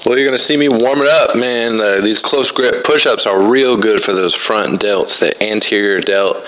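A man's voice: on the low side, normal speed, a bit bright, rough recording. Laid-back young man rambling over gym footage. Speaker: fitness vlogger. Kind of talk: casual voice-over commentary.

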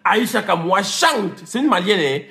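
A man's voice: high voice, sing-song, normal speed, creaky, pushed and bright, soft background music. A man ranting and teasing his viewers in a comic vlog, repeating names, slipping into English and laughing as he talks. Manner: laughs while talking. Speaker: vlogger. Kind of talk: comic rant to camera.

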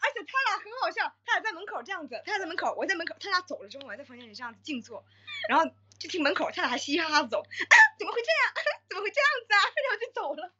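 Young woman, livestream host, high lively voice, giggly storyteller, dull lo-fi audio. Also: very fast. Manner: giggly, acts out scenes while telling stories, thanks viewers for votes. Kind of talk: casual livestream chat.

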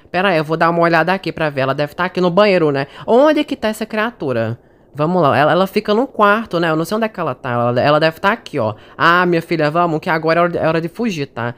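A woman with a Brazilian Portuguese accent giving casual gameplay commentary, chatty and jumpy, talking to her audience and to the game characters. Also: on the low side. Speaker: gaming streamer.

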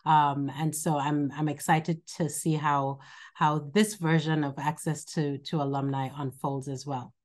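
A woman with a low voice hosts an online alumni event. She talks off the cuff, often repeating a word before going on. The sound comes through a home video call. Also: level tone, measured pace. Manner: warm, repeats words while speaking off the cuff. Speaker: college dean hosting an alumni event. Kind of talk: welcome speech over video call.

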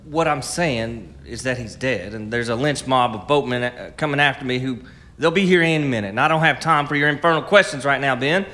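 Man acting a bright-voiced, desperate hunted frontiersman. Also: medium pitch, a little fast, close to an everyday voice. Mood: urgent, impatient. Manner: stammering, pleading, argumentative. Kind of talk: radio drama acting.

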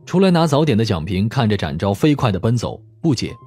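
A man's voice: lowish voice, sing-song, brisk, darkish tone, slightly rough, soft background music. A man reading a dramatic scripted audiobook narration.

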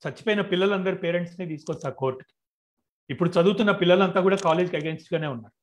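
A fiery, earnest young man pushing hard and accusing, as a novelist reads his lines aloud. The voice sits a little high for a man and stays close to the reader's own. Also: quick pace, close to an everyday voice. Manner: pleading, then heated and accusing.

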